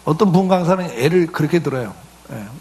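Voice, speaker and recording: Brief: middle-aged man, pastor, talky sermon with questions to the congregation, somewhat high, gravelly voice. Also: animated, brisk, darkish tone. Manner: conversational preaching with acted quotes and rhetorical questions.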